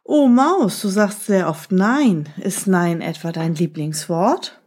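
A woman's voice: lowish voice, slow pace, a little mellow, slightly rough. A woman voicing a big, sly male fox who teases with mocking questions in a storybook. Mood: teasing.

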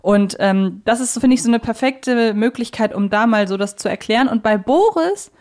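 A woman's voice: a little high, expressive, normal speed, a little mellow. A woman co-hosting a talk podcast, reflecting aloud in a conversational, analytical way and explaining her view point by point. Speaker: podcast co-host.

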